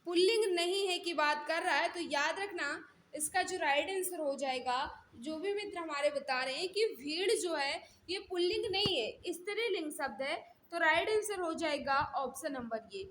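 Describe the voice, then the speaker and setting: Woman, high-pitched online test-prep teacher, instructional and repetitive, faint noise behind her. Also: lively intonation, normal speed, hardly any pauses, a bit bright. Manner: instructional, repeats questions and set phrases. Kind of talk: live mock-test lesson, questions and answers.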